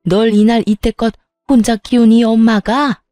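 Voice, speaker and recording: A brazen, self-pitying older mother-in-law, read by a woman in a storybook reading, whining and defensive. The voice is dark and mellow, recorded dry and close. Soft music plays underneath. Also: fairly high pitch, flat delivery, moderate pace, no echo, natural voice.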